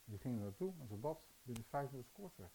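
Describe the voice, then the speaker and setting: A man's voice: medium pitch, sing-song, quick pace, warm tone, slight background noise, poor audio. A man preaching a sermon, telling stories and putting rhetorical questions to his listeners. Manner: storytelling, rhetorical questions to the audience.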